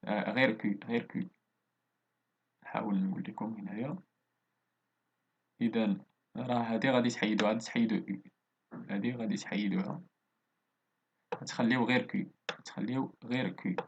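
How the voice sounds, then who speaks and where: A husky-voiced man with a Moroccan accent walks through a French worksheet as a teacher. He reads the French words slowly and deliberately, then switches to brisk asides in Moroccan Arabic. The recording sounds dull and lo-fi. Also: lowish voice, fairly even intonation. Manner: slow, deliberate French dictation, quick Darija asides. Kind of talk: explaining a worksheet.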